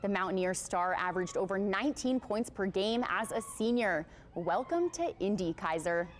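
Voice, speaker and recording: A woman's voice: mid-range voice, lively intonation, moderate pace, slight background noise. A woman with an American accent reading a scripted sportscast as anchor.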